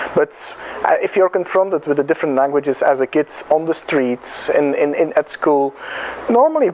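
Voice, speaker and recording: Over noticeable background noise, a man with a Dutch accent talks in a fairly high pitch with ordinary pitch variation. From Belgium, Dutch-speaking (Flanders). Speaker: professor, researcher. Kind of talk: interview. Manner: halting, many repetitions.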